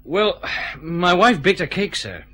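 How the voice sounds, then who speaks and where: An actor playing a shrewd, plain-spoken detective chief inspector in a radio drama. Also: male voice, high voice, sing-song, unhurried, sharp tone, full character voice. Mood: explaining. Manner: plain-spoken, respectful to superiors.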